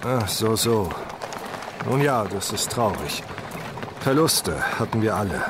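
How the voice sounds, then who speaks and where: A man's voice: fairly low pitch, lively intonation, slow pace, a crowd in the background, noisy background. A man playing a formal, brusque leader of refugees in an audio drama, clipped and matter-of-fact. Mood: formal, curt.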